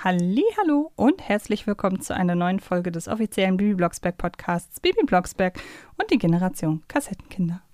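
A woman's voice: mid-range voice, very animated, fairly quick, darkish tone, a little hiss or hum. A woman hosting a podcast in a casual, conversational chat style. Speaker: podcast host. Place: close, dry podcast recording.

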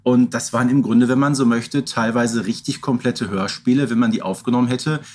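A man co-hosting a podcast, chatting and explaining things in a measured, playful way. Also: medium pitch, fairly even intonation, darkish tone. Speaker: podcast co-host. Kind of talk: chatty fan podcast talk.

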